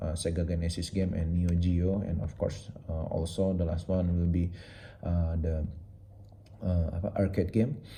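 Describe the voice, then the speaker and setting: A very deep, low male voice with a dark, mellow tone, somewhat breathy, monotone and flat, at a fairly slow pace. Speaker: tech reviewer; handheld console reviewer. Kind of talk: casual tutorial. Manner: halting, many fillers. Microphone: phone near.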